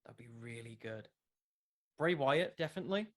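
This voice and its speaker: A man's voice: medium pitch, animated, normal speed, crowd noise. Casual man thinking aloud in an interview. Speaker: podcast creator being interviewed.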